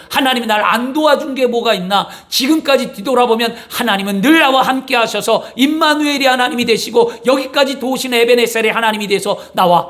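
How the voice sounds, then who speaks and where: High-pitched guy preaching a sermon, pastor doing voices of grumbly husbands. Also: a bit bright. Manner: acts out complaining husbands in quoted asides.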